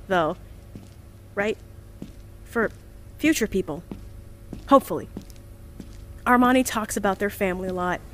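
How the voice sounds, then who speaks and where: A woman's voice: fairly high pitch, a bit bright, slight background noise. An actress playing a chirpy, earnest, polite young woman on a science team, gushing and easily flustered, in an audio drama. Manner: bubbly, gushing, hesitant when flustered. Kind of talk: audio drama, recorded diary.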